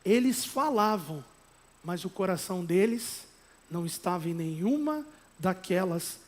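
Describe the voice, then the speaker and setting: A Brazilian man preaching a sermon as pastor, emphatic, with conversational asides and tag questions, at times rising to loud exhortation. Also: high-pitched, animated, unhurried. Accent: Brazilian Portuguese.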